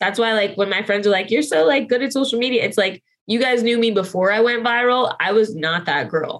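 Hardly pausing, a woman with a normal speaking voice talks at a fairly quick pace, her pitch fairly high with ordinary variation. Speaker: real estate agent. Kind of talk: casual chat.

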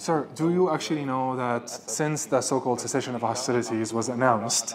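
A man with an Arabic accent speaks at a medium pitch with fairly even intonation. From Syria. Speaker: activist. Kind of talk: panel discussion. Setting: stage with audience.

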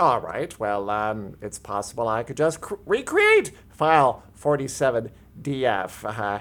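In a put-on character voice, the speaker uses a low-to-middle pitch at a fairly slow pace. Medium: actual play. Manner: flustered, rambling.

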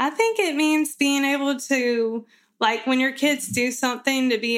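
This woman has a normal speaking voice with fairly even intonation. The recording is very clean, with a silent background. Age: 30s. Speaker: homeschooling mother, program member. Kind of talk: casual interview.

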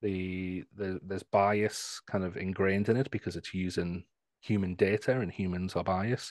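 Against a quiet background, the speaker talks with fairly even intonation in a Geordie accent. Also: man, very deep, low pitch for a man, moderate pace, dry, close sound with no echo. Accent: Geordie (Newcastle English). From northern England; Newcastle. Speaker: AI education consultant.

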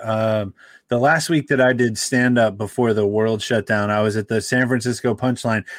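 A man talks in an ordinary speaking voice. His pitch is medium and varies in an ordinary way. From US Midwest, Cincinnati, Ohio. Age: 40s. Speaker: comedian. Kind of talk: casual chat.

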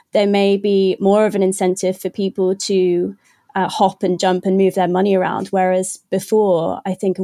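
A woman's dark, mellow voice with a British accent, medium in pitch, at a moderate pace and with monotone, flat intonation. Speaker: product lead. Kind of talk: panel discussion. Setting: video call.

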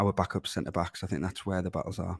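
A man's very deep, low voice, dry and close with no echo, on a very clean recording with a silent background. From Sunderland, north-east England. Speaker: sports radio journalist, football fan. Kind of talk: casual chat. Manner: halting, stammers on words.

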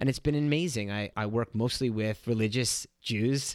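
A man with an American accent and a plain, everyday voice speaks at medium pitch with ordinary pitch variation, the sound dry and close with no echo on a very clean recording with a silent background. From US Northeast, Philadelphia. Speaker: mindset coach. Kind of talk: interview testimony.

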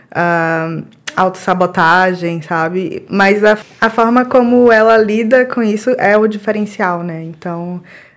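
A woman with a medium pitch talks at a very slow pace, her pitch varying in an ordinary way. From Brazil. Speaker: design studio owner and entrepreneur. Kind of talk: podcast interview. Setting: studio.

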